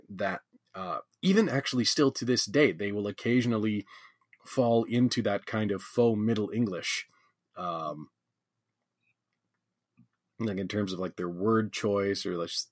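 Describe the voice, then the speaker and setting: A man with a low voice hosts a relaxed podcast chat. He meanders through his points with lots of fillers and hedging. The recording is dry, with no room sound. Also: dry recording. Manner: rambling, filler-heavy, tentative delivery. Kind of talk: casual conversation.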